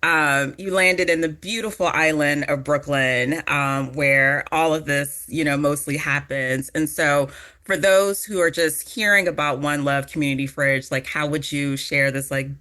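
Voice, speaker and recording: A woman's voice: deep voice, fairly even intonation, normal speed, a bit bright. A woman hosting a podcast, reading a scripted intro and then chatting casually with her guest in an upbeat way. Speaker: podcast host.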